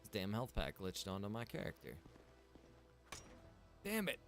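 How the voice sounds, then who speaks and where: A man's voice: fairly low pitch, wildly swooping pitch, measured pace, gravelly, soft background music. A man chatting casually as he streams a game, informal and muttering to himself with the odd mild grumble. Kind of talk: casual chat while gaming.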